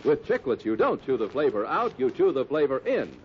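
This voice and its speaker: A man's voice: medium pitch, big pitch swings, brisk. A man announcing 1950s radio commercials with punchy, rhythmic salesman delivery. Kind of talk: 1950s radio advertising read. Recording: muffled noisy 1950s radio broadcast.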